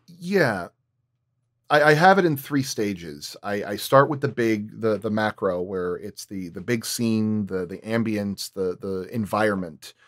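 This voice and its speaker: A man's voice: lowish voice, unhurried, no echo, clean studio sound. A man speaking as a sound designer in a roundtable, thinking aloud and repeating and rephrasing as he explains his craft.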